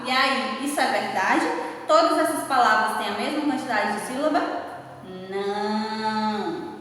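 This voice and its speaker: A woman's voice: sits high, fairly bright tone. A woman teacher with a Brazilian Portuguese accent, patiently going through a lesson and checking in with her class. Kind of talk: slow spoken class lesson. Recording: echoey room, far from the mic, faint noise.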